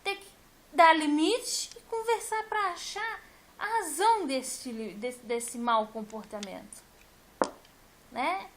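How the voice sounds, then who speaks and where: A woman's voice: high-pitched, lively intonation, takes it slowly, fairly bright tone, a little hiss or hum. A woman, a teacher, talking casually and emphatically to her viewers and repeating her points. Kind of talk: casual talk to camera.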